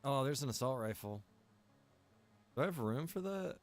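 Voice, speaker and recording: A man's voice: mid-range voice, animated, normal speed. A man talking casually and easily to viewers as he hosts a live gameplay stream, chatty and direct. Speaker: game streamer and server admin.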